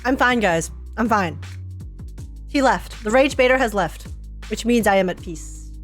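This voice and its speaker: A woman streamer giving animated, dramatic live reactions to a game, exclaiming as she goes, with game music behind her. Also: mid-range voice, measured pace. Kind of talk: live reaction commentary, reading game text aloud. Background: video game music.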